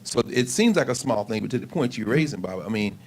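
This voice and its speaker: Low-voiced man for conversational community meeting remarks, with slight background hiss. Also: lively intonation. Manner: conversational, quick asides. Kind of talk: casual forum remarks.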